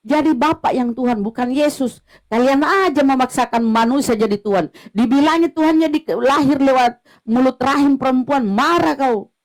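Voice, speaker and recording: Sex: woman. Pitch: high. Style: mocking heated debate. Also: moderate pace. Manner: mocking, confrontational, repetitive jabs. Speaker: religious debater.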